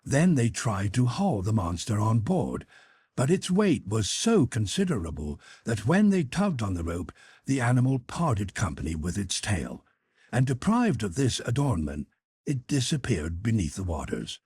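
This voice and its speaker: A male audiobook narrator with a markedly husky voice and animated intonation. He reads literary prose in a measured, expository way, recorded dry and close. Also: lowish voice, no room sound. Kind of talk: scripted literary narration in first person.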